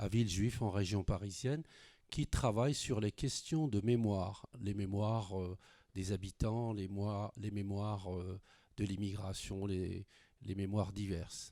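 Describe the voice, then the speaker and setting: On a very clean recording with a silent background, a man speaks fairly slowly at a fairly low pitch, with fairly even intonation and a dark, mellow tone. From Algeria. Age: 60s. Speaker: association member. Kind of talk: panel introduction. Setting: school panel with audience.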